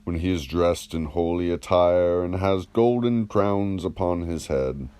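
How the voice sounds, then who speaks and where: A man reading the part of a probing, measured philosopher in an audiobook of a classical dialogue, teaching through rhetorical questions. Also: sits low, mellow, clean tone. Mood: questioning.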